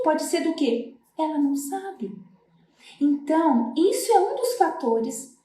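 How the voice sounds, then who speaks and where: Middle-aged woman from Brazil, high and mellow voice, earnest and explanatory, recorded in a roomy space. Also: a little hiss or hum. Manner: earnest, explanatory, with many "né?" tags. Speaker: floral therapist. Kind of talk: casual talk to parents.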